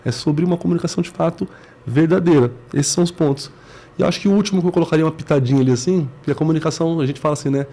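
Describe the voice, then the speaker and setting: A business management CEO with a Brazilian accent, appearing as a guest in an interview, explains his points earnestly in short, stacked phrases. His voice sits on the high side, warm in tone, and he speaks rapid-fire.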